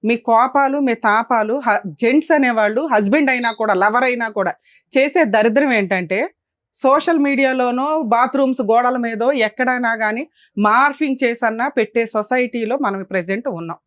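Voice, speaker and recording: A woman's voice: a little high, moderate pace, no room sound. A woman advocate hosting a family dispute show, lecturing sternly and indignantly. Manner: scolding, emphatic, indignant.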